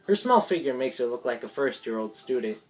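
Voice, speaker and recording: Low, unhurried woman reading over music. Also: very animated, a little mellow. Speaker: player narrating a visual novel. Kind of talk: reading game script aloud with asides. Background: game music.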